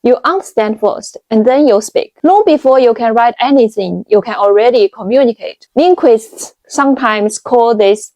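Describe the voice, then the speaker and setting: A woman's voice: fairly high pitch, moderate pace, few pauses, darkish tone, no room sound. A woman in her thirties from China, a native Chinese speaker with a Chinese accent, explaining things as a video host. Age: 30s. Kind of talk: explanatory talk to camera.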